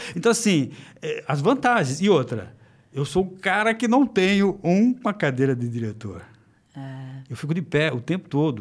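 Against a quiet background, a man with a high voice swings very widely in pitch, speaks at a moderate pace and leaves long, frequent pauses. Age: 60s. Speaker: film director; guest. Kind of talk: casual chat. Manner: animated. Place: studio. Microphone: studio mic.

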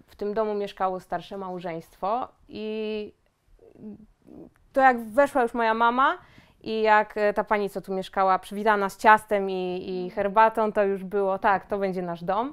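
A woman talks with fairly even intonation against a quiet background. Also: moderate pace. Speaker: interviewee. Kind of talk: interview answer. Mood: warm, light laughter. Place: home room.

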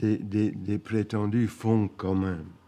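Speaking very slowly, a man with an English accent has a dark, mellow tone. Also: quiet background. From northern England, Preston (Lancashire); northern England. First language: English (speaking French). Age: 70s. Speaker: anthropology professor. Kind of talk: interview testimony. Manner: hesitant, repeats words. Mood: reflective, animated hands. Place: home room.

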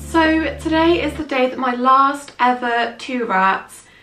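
With faint music in the background and audible room echo, a woman speaks at a very slow pace in a high pitch. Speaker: pet vlogger. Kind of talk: casual vlog chat. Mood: warm, slightly wistful. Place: home room.

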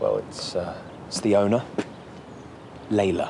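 A man talks with background noise that is easy to notice. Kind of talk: scripted drama dialogue. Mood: earnest, gossipy warning. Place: street.

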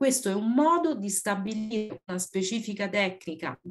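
Speaking at a fairly slow pace, a woman with a plain, everyday voice uses lively intonation at a medium pitch. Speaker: sustainability project manager, trainer. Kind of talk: webinar lecture. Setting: video call.

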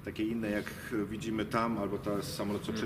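A man's fairly low-pitched voice against noticeable background noise. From Austria, Polish-speaking family. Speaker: pilot; interview guest. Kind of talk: casual interview. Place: garage.

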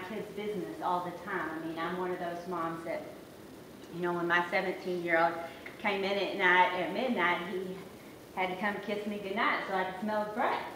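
Noticeable background noise and audible room echo around a woman at a moderate pace. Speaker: state legislator. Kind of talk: talk to a community coalition meeting. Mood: earnest, personal. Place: meeting room. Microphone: camera far.

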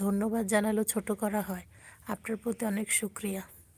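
A woman speaks in a monotone, flat intonation. Her tone is dark and mellow. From Gazipur, Bangladesh. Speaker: YouTuber doing a live stream. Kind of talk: casual live stream chat reading out and answering comments.

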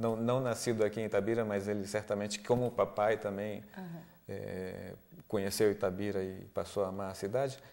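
Against a quiet background, a man talks at a fairly quick pace. His pitch is fairly low and his intonation fairly even. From Argentina. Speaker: poet's grandson, guest on cultural TV; poet's grandson, TV guest. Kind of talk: TV interview. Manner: halting. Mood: calm, reminiscing about family. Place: studio. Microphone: lapel.

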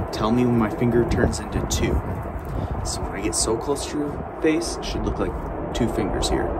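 A man talks at a moderate pace while loud background noise plays. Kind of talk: soft-spoken role-play instruction. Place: open country. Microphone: phone near.

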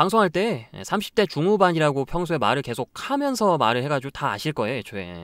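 A man speaks at a fairly quick pace with very wide pitch swings, the sound dry with no echo over a quiet background. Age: 30s. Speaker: streamer. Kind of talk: casual chat. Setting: live stream on webcam. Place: home room. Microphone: studio mic.

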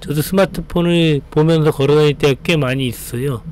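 The sound is dry with no echo as a man speaks with ordinary pitch variation. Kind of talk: commentary. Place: street.

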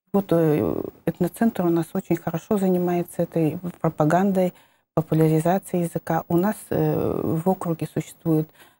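This woman's voice sits fairly low and has a dark, mellow tone. Her intonation stays monotone and flat. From Nenets Autonomous Okrug, Russia. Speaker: regional government official. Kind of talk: studio interview. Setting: studio. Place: studio. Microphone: lapel.

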